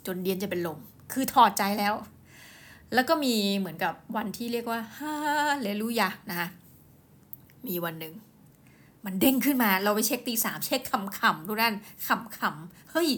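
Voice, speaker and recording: A lively woman host chats through a personal story as if to a friend. Her voice sits at an ordinary middle pitch. She throws in quick exclamations and keeps turning to speak straight to her listeners. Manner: chatty, animated, often addresses listeners directly.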